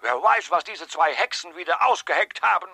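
Audio drama role: fretful, urgent father, high and piercingly bright. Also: lively intonation, a little fast, gravelly, slightly rough, dry recording, full character voice. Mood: worried, urgent. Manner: agitated, urgent. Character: anxious excitable father calling long distance by telephone. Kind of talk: 1980s children's audio drama acting.

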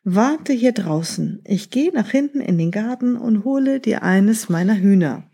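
A woman's voice: mid-range voice, animated, a little slow, vocal fry, warm tone, husky, heavily acted. A woman reading a scheming, lying man. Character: scheming deceitful grown man.

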